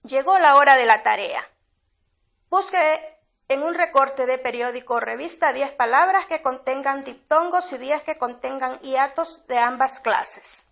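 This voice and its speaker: A woman teacher with a Honduran Spanish accent, giving a slow, deliberate grammar lesson for schoolchildren and repeating key words. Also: high voice, vocal fry, a bit bright.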